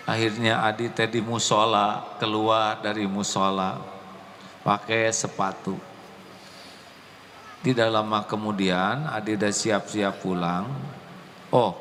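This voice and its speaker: Male preacher, slow, animated storytelling, calls out to listeners; long hall reverb. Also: lowish voice, a little hiss or hum. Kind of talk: sermon storytelling.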